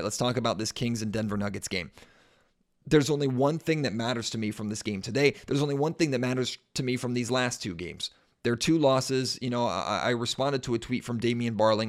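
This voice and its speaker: Hoarse, congested male sports podcast host, mid-pitched, casual and self-deprecating. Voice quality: raspy. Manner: self-mocking, chatty, restarts sentences.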